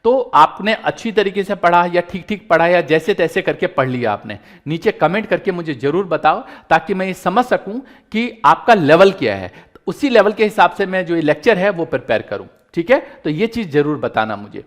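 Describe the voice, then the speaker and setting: A man's voice: high-pitched, animated, normal speed, hardly any pauses. A man teaching accounts in an online lecture, earnest and encouraging, pleading with students and fellow teachers as he explains each step. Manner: earnest, pleading and encouraging, mixing English terms into Hindi.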